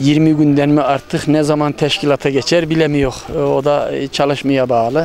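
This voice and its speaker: A man with a fairly high pitch talks at a moderate pace in monotone, flat intonation, his loudness very even. The sound is dry with no echo, over light background noise. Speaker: village video presenter. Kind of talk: village tour with street interviews. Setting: outdoors. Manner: hesitant, many fillers. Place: open country. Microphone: handheld.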